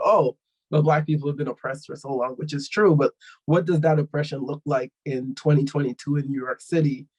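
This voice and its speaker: Man with a gravelly voice. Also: medium pitch, poor audio. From Guyana. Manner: thoughtful, explanatory, with frequent fillers. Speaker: panelist. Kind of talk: online panel discussion.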